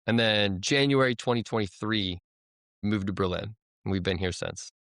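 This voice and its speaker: A man in his thirties from the United States, a missionary guest telling his story in a relaxed, rambling way. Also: lowish voice, normal speed, no room sound, clean studio sound. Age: 30s. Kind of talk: conversational interview storytelling.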